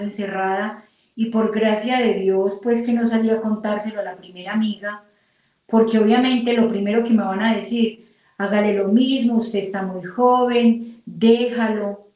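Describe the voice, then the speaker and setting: A woman's voice: mid-range voice, darkish tone. A middle-aged woman from Colombia telling her personal faith testimony in an earnest, emotional way. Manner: earnest, quotes her own prayers aloud. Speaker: testimony speaker. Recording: very echoey room, distant mic.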